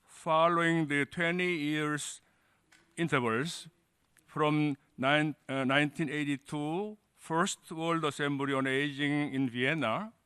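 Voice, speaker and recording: A man delegate at a conference, making a formal statement and pausing often with fillers. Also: fairly high pitch, sharp tone, clean tone, no echo. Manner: halting, many uh fillers, formal. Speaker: delegate asking a question. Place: conference hall.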